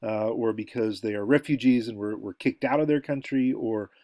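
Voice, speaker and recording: A man's voice: mid-range voice, moderate pace, dark tone. An American man lectures in a loose, conversational manner, thinking aloud and wandering into asides. His voice sits in an ordinary middle range. The recording is dry, with no room echo. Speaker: college lecturer.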